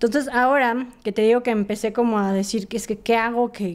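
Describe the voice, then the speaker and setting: A woman speaks with a Mexican accent at a fairly high pitch, her intonation fairly even. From San Luis Potosí, Mexico. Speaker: singer and music producer; podcast guest. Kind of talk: casual interview. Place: studio. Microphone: studio mic.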